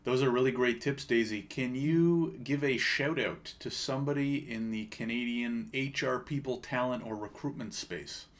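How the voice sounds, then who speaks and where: A man's voice: medium pitch, normal speed, few pauses. A man in his thirties hosting a conversational interview over a video call from a small room. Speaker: show host. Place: small room with bookshelves, indoors.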